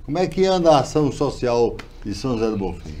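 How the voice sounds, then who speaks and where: A middle-aged man hosting a TV studio interview, speaking in a relaxed, drawn-out way with hesitations. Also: mid-range voice. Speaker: TV interview host. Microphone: lapel mic.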